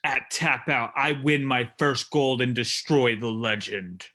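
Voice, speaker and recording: Casting: male actor as tough, defiant wrestling prince, forceful mid-range voice, unhurried promo taunts. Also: mid-range voice.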